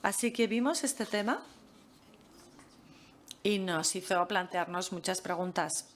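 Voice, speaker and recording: A woman lectures at a master class. She talks in a measured, deliberate way and often stops on a filler. Her voice sits at an ordinary middle pitch. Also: slight background noise. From France. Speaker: guest lecturer.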